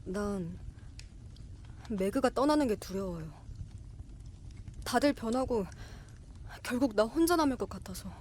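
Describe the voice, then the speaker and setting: A woman's voice: a little high, expressive, a little slow, long pauses, a little mellow, slight background noise. A woman acting an anxious, wistful young woman afraid of loss in an audio drama. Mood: vulnerable, afraid.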